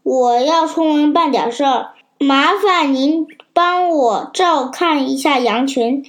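An earnest, trusting shepherd, as a child puts him on. He speaks with feeling in a high voice at a slow, careful pace. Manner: earnest and emotional. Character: trusting, grateful male shepherd.

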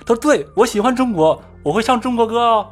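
Male podcast storyteller, pitch swings wide, lively and mimicking, casual chat. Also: fast, faint music behind. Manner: animated storyteller, mimics voices. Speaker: podcast co-host telling a travel story.

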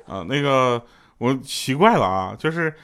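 Chuckling man telling jokes, lively pitch. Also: very noisy. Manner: laughs often between punchlines; loose, conversational, many fillers. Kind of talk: chatty comic storytelling.

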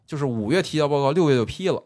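A man hosting a podcast, telling a story in casual chat, full of drawn-out filler particles. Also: on the high side, lively intonation, a little mellow, no room sound, clean studio sound. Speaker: podcast host.

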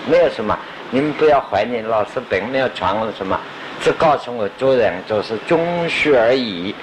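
A male lecturer voicing an earnest disciple, answering his classmates slowly and reassuringly. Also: mid-range voice, lively intonation, slight background noise, lightly acted, poor audio. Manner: slow, measured.

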